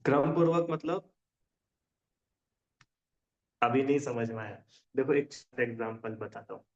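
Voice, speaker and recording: A man's voice: mid-range voice, moderate pace. A man teaching a religion class in casual Hindi. He often checks whether his students understand and explains with everyday examples. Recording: dull lo-fi sound.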